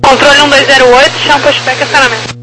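A woman's voice: high voice, steady tone, quick pace. A woman with a Brazilian accent giving clipped air traffic control instructions over a walkie-talkie style radio. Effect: over walkie-talkie style aviation radio. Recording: noisy humming aviation radio.

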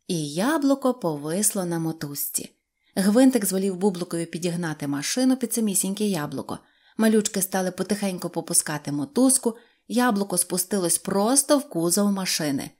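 A woman narrating a children's audiobook in an expressive storytelling manner. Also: mid-range voice.

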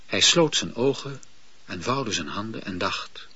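A man narrating a radio drama in a measured storytelling manner. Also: on the low side, animated, bright, forceful tone, a little hiss or hum. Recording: dull, dry lo-fi old radio recording.

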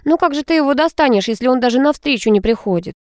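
Woman voicing a chatty, teasing college girl for an audiobook; high and lively, dry close sound. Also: fast, no echo. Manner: teasing, excitable. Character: giddy chatty female student friend.

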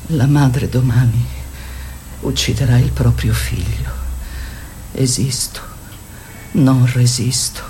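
An actress in a radio play voicing an anguished woman who survived war rape, dramatic, swinging between shrill cries and low murmurs. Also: fairly even intonation, slow, long pauses, mellow, a little hiss or hum. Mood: numb, longing. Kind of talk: theatrical radio play monologue.

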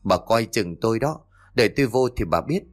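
A man's voice: on the low side, animated, normal speed, soft background music, close to an everyday voice. A man doing a harsh, bullying husband. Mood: threatening. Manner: rude, bullying demands. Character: harsh, domineering middle-aged husband.

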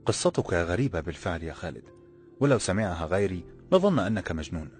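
A man voicing a gentle young woman from an old walled city, speaking in a formal, measured way. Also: sits low, sing-song, faint music behind. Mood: calm. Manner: formal, measured classical speech. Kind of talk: audiobook character voice.

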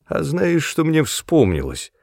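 A man voicing a timid old grandmother who speaks softly in a raised voice and giggles as she gets tipsy. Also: huge pitch swings, slow, gravelly, no room sound, studio quality, full character voice. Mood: timid, giggly. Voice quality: higher, soft, giggling.

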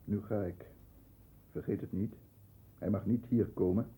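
Deep, husky, stern barrister with gravelly edge. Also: male voice, steady tone, a little slow, dark tone, heavily acted. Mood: urgent, commanding. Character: stern, controlled barrister shielding his wayward brother, narrating events. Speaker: actor playing narrator and lead. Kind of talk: 1960s Dutch radio thriller acting, first-person narration.

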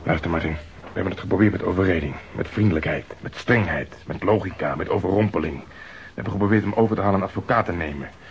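An actor playing a blunt, impatient, hard-nosed police detective in a radio drama, with a clipped, sardonic delivery. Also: male voice, deep voice, fast talker, a little hiss or hum. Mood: insistent, irritated. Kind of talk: naturalistic radio drama dialogue. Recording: dull, muffled old radio recording.

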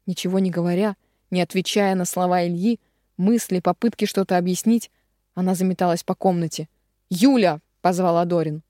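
A woman narrating a romance audiobook dramatically, slowing on the heavy phrases. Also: on the low side, steady tone, mellow, no echo, clean studio sound.

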